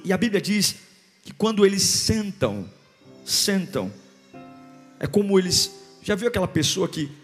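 A man preaching a sermon, swinging between loud bursts and hushed, repeated phrases. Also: fairly high pitch, long reverb tail. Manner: rhythmic repetition, calls for congregation to repeat. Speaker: pastor.

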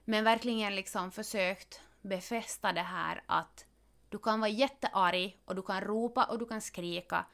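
A woman talks about family life in a relaxed, chatty podcast style. Her middle-pitched voice carries a steady gravelly fry. She tells stories in lively bursts, full of quick asides. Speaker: parent of three expecting a fourth. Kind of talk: casual podcast conversation.

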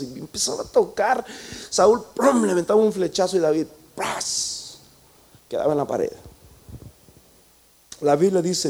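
A high-voiced man preaches to his congregation. He tells the story with drama and presses his listeners with repeated rhetorical questions. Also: creaky, darkish tone. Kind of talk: sermon.

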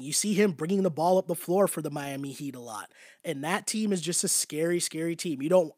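A man with a slightly high voice, recorded dry at studio quality, is losing his voice as he hosts a casual basketball talk show. He answers his live chat in a chatty, repetitive way, often tagging points with "right?".

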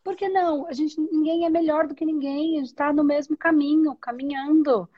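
In a spiritual conversation, this woman reflects aloud, asking her own questions and answering them. She speaks at a moderate pace with a high, fairly even voice, and the audio is dull.

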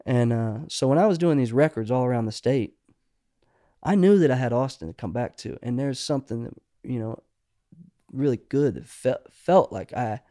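A man's voice: mid-range voice, lively intonation, normal speed, dark tone, no room sound, clean studio sound. A middle-aged man, a songwriter guest, talking casually and rambling with many restarts. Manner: rambling, restarts often, says "you know" a lot. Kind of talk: casual podcast conversation.

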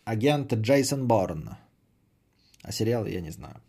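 A man's voice: fairly low pitch, animated, unhurried, mellow, slightly rough. A man hosting a podcast, chatting casually and sardonically as he answers audience messages, often swearing and repeating phrases. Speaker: podcast host.

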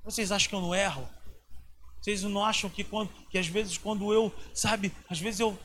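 A man's voice: sits high, fairly even intonation, brisk, fairly bright tone, slight background noise. A man from Rio, a pastor preaching an informal sermon in a colloquial, slangy storytelling manner with dramatic swings.

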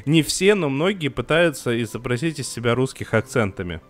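A man's voice: mid-range voice, lively intonation, a little fast, soft background music. A young man co-hosting a podcast about TV series, talking casually and emotionally, with frequent restarts and filler sounds. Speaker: podcast co-host reviewing TV series.

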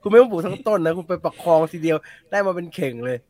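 High-voiced man bantering, dry sound. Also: racing, a little mellow, no room sound. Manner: jokey and teasing, mixes polite particles with swearing. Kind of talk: casual, bantering chat.

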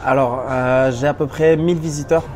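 A man's voice: medium pitch, steady tone, normal speed, darkish tone, soft background music. Young man, from Morocco, mid-range voice, hesitant, lots of fillers. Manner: hesitant, many fillers, easygoing. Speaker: guest blogger. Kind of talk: casual interview answers. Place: seminar venue.

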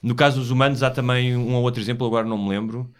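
Man, European Portuguese accent, rapid pace, medium pitch, casual explaining, frequent tag questions. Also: fairly even intonation. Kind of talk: casual conversation.

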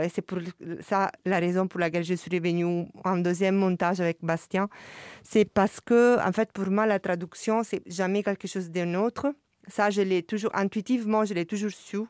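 A woman artist speaking French with a non-native accent, reflecting on her work at a listening session and often pausing and restarting as she searches for words. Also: mid-range voice, darkish tone, smooth, dry recording, clean studio sound. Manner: hesitant, searching for words, many fillers and restarts.

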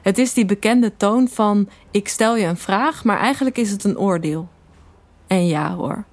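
A woman's voice: mid-range voice, unhurried, a little mellow, lightly acted. An actress playing a lovesick woman who narrates her romance in a wry, introspective way in an audio drama. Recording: music behind.

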